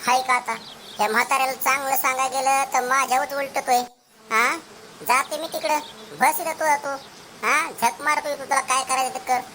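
A woman playing a sharp-tongued, scolding village grandmother in a comedy cartoon. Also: sits high, steady tone, normal speed, slight background noise. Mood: huffy. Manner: scolding, insulting, rustic. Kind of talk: Marathi comedy cartoon dialogue.

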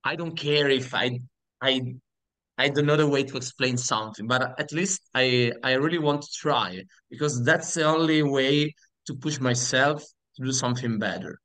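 A man's voice: medium pitch, moderate pace, a bit bright, dry recording, low-quality recording. A man in his thirties with a strong Italian accent, a guest speaking frankly and emphatically on a video call. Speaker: guest musician. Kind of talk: casual video-call interview. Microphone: laptop webcam on video call.

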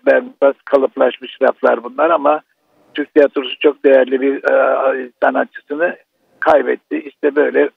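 Gravelly guy calling into a radio show, dry thin phone sound, lots of stops and restarts. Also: medium pitch, no room sound. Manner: halting, grieving, many restarts and fillers. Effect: radio show caller on a phone line. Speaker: actor phoning in to a broadcast. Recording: tinny phone line.

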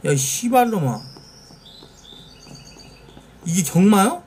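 A man in his thirties live-streaming a game from a small room, talking casually, swearing a lot and yelling at slot machine wins. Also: sits high, slow pace, a little hiss or hum. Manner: swearing, excitable, shouts at wins. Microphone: desk mic in gaming chair, webcam framing.

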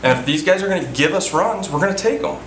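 A baseball team manager in his thirties answers post-game press questions earnestly in an indoor press room in front of a sponsor backdrop, repeating himself with lots of fillers and restarts. His high, slightly bright voice is animated and fast, in a reverberant, low-quality recording with slight background noise.

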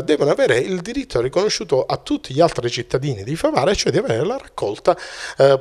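A middle-aged man with a Sicilian Italian accent speaking formally into a handheld mic in a local TV interview, pausing often with "eh" fillers. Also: mid-range voice, darkish tone. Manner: formal, hesitant, many "eh" fillers. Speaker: consumer association representative. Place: indoors, plain room. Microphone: handheld interview mic held close.

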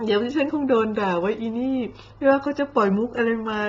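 Woman ranting sarcastic commentary, kinda high voice, mocking and crude, muffled lo-fi audio. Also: fast, darkish tone. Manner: mocking, blunt, coarse slang. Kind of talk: sarcastic social media commentary.

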